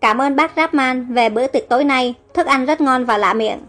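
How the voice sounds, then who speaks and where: A bewildered, emotional young heroine from a storybook, read by a woman with a high voice, pleading and soft. Quiet music plays beneath. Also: moderate pace. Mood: polite.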